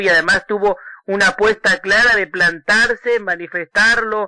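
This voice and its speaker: A man projects his voice loudly at a high pitch with ordinary pitch variation. The sound is dry and close, without echo. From Argentina. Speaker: radio host. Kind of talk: radio interview.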